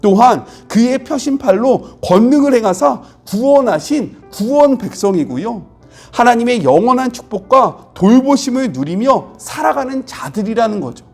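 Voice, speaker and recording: A husky-voiced middle-aged man preaches in a lively, rising-and-falling way. He is a pastor explaining scripture earnestly, with faint music under his voice. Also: extremely high pitch, normal speed. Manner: earnest, explanatory, acts out quoted speech with rising intensity. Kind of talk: devotional Bible sermon.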